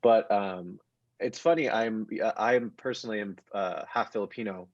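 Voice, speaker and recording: Male, about 30, lower register, thoughtful and halting panel guest, dry but dull-sounding audio. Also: darkish tone, no room sound. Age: 30s. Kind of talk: reflective panel conversation. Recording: muffled, dull online-call audio.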